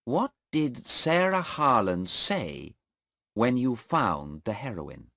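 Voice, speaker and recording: A man voicing a sharp defence lawyer questioning a witness. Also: mid-range voice, very animated, takes it slowly, creaky, dry recording, clean studio sound, pitched above the performer's own voice, exaggerated voice. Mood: pressing.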